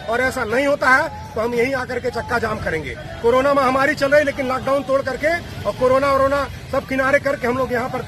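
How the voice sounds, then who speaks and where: A man's voice: extremely high pitch, noisy background. A man speaking as an activist, making an emphatic, accusing protest statement to the press outdoors.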